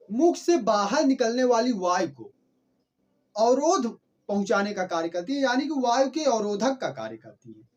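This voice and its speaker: A man teaching a grammar lesson, who asks the class questions, answers them himself and repeats sounds slowly for them. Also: extremely high pitch, a little mellow. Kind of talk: classroom lecture.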